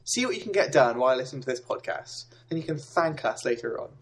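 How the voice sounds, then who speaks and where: A man's voice: medium pitch, expressive, fast talker, soft background music. A young man introducing a podcast in a loose, rambling, self-correcting way. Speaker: podcast co-host. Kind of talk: casual chat.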